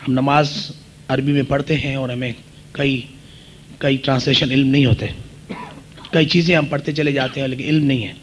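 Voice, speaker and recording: A man's voice: mid-range voice, steady tone, long pauses, a little hiss or hum, rough recording. A man from the audience politely and deferentially asking a long-winded question after a lecture.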